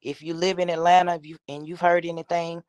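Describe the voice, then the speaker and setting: Low-pitched woman, dry close sound, casual. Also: little pitch movement, quick pace, darkish tone, no room sound. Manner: conversational, opinionated, addressing listeners directly. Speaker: YouTube commentator, host. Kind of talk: casual opinion commentary to viewers.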